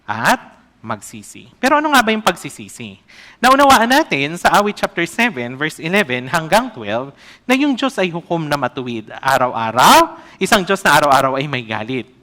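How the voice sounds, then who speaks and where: Lively bright-voiced male evangelist. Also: fairly high pitch. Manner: asks the congregation questions often; reads scripture aloud slowly. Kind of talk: sermon.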